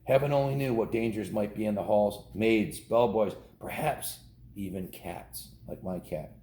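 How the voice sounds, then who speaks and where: A man with a low, relaxed voice reads a children's story aloud. He keeps it informal and chatty, drifting into his own remarks to the kids, and the room around him is audibly echoey. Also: measured pace. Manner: informal, ad-libbing. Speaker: storybook reader. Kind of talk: casual read-aloud of a children's novel with chatty asides to kids. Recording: roomy, echoing indoor sound.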